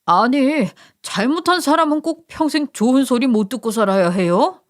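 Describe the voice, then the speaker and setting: A woman's voice: high-pitched, animated, normal speed. Defensive young son-in-law, read by a woman: indignant, pleading, radio story.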